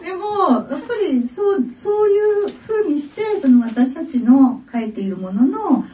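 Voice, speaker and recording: A woman's voice: high voice, expressive, moderate pace, warm tone, slight background noise. A woman author in a public talk, speaking with hesitant fillers and frequent laughter. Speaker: author guest at a book event. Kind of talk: public dialogue. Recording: distant, roomy, dull event audio.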